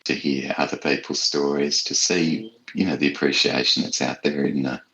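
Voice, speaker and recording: Very deep-voiced man as interview guest. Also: steady tone, normal speed, vocal fry, bright, forceful tone, low-quality recording. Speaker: writer, podcast guest. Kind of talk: casual interview chat.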